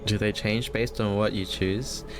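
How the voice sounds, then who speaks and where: Low-voiced man streaming over music. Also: steady tone, unhurried. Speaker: streamer playing a horror visual novel. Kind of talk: casual live let's-play commentary. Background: game music.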